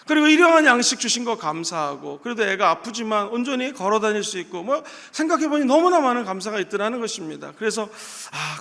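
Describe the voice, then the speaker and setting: A man pastor telling a story in a sermon, rising now and then to loud exclamations. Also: sits high, gravelly. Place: church sanctuary. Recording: reverberant church hall.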